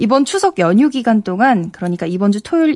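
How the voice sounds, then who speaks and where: In a dry, close recording with no echo, a woman with a fairly high voice speaks at a moderate pace with very wide pitch swings. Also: quiet background. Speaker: reporter. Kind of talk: lifestyle information segment. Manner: cheerful, chatty.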